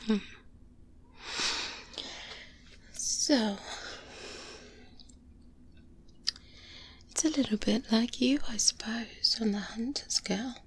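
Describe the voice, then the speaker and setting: A woman playing a calm, cautious, seasoned vampire hunter mentoring a trainee, speaking softly and breathily with murmured pauses in an ASMR roleplay. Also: a little high. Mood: musing, amused. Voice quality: soft, breathy whispering. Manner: slow, hesitant, murmured pauses and hums. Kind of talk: soft-spoken ASMR roleplay. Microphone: close binaural microphone. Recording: close-up binaural with clear background noise.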